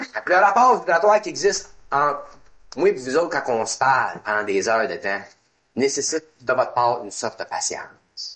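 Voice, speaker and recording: A man's fairly high voice in a Quebec accent, with very wide pitch swings. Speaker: spiritual teacher. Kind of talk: informal talk to a small group. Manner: fast; repetitive.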